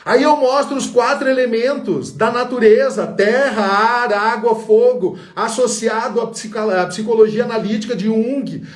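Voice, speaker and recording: A man's voice: very high voice, darkish tone. A man with a Brazilian Portuguese accent teaching public speaking in a motivational online lesson, telling stories animatedly and acting out the people he quotes. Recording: roomy sound with music behind.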